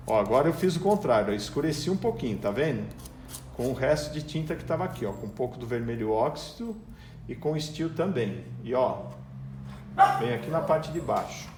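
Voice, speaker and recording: Working in his home garage, a Brazilian Portuguese-accented man walks through a painting lesson step by step, chatty and explaining as he goes while addressing his dog. His voice sits in the mid range. The sound is roomy and noisy, with the dog whining and barking behind him.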